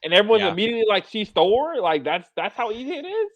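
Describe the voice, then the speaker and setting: High-voiced man in animated, emphatic review chat. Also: fast talker, highs cut off. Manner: incredulous, emphatic ranting with mock quotes. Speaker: podcast co-host. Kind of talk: casual film review chat.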